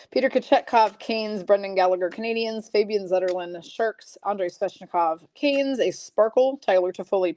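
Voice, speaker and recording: Hosting a live-streamed card break, a woman chats casually with viewers and reads out card names and teams. Her medium-pitched voice is slightly froggy, with vocal fry and a somewhat mellow tone, and there is no room sound.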